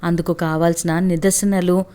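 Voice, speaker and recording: A woman voicing a righteous young man who argues earnestly and forcefully on behalf of a wronged woman in a storybook reading. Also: fairly low pitch, little pitch movement, moderate pace, clean tone, lightly acted. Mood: accusing.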